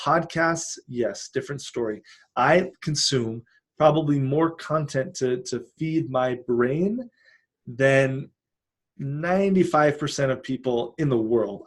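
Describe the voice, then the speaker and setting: A man who hosts a coaching channel, talking casually and earnestly in an encouraging, conversational monologue. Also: medium pitch. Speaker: online coach and channel host. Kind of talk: casual monologue recapping personal goals.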